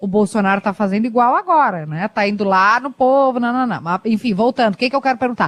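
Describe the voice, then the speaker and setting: Speaking at a fairly quick pace with lively intonation, a woman is recorded in a dry, close sound with no echo. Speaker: radio journalist. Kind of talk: radio interview. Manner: talkative.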